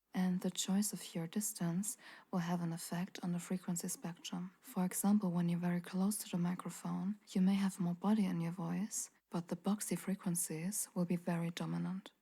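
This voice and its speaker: A woman with a very deep voice giving a calm, partly whispered audio tutorial into a condenser mic in a home studio. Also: husky. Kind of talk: calm instructional voice-over. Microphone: large-diaphragm condenser studio mic.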